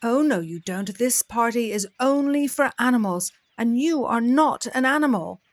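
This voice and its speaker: A woman voicing a stern male zebra guarding a party in a storybook tale, scolding loudly. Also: on the high side, lively intonation, moderate pace, no echo, voice pushed up, natural voice. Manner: loud, scolding.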